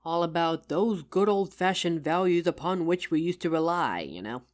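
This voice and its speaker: Woman acting a loving, low-voiced career-woman wife. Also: animated, normal speed, lightly acted. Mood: earnest, affectionate. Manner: tender, teasing, conversational. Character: loving, tired career-woman wife talking to her househusband. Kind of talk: intimate roleplay audio, scripted monologue.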